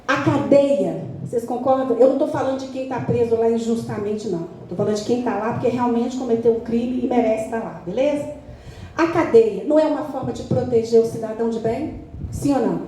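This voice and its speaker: A woman missionary preaching a lively sermon in a church with a Brazilian accent, asking the congregation direct questions. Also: on the high side. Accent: Brazilian Portuguese. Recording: very echoey church hall, faint noise.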